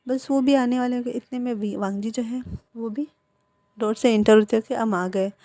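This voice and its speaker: A woman's voice: a little high, steady tone, moderate pace, warm tone, no room sound. A woman with a Hindi accent casually retelling a fan fiction story, speaking every character's lines in her own voice. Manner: retells dialogue for every character without changing voice.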